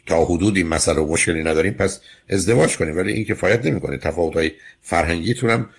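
A very deep, husky male voice counseling a caller on a radio advice show. He talks in a firm, lecturing way and cuts in with pointed questions. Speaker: radio call-in advice host.

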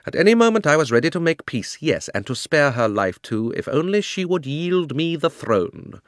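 A man's voice: a little high, big pitch swings, moderate pace, no echo, studio quality, pitched above the performer's own voice. A man voicing a proud, cruel and haughty queen of enormous height, speaking in an imperious, declamatory way.

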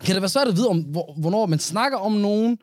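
A man's voice: sits high, expressive, no echo, clean studio sound. A man co-hosting a podcast in casual chat, talking reflectively and steering the topic, with some English words mixed in. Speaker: podcast co-host.

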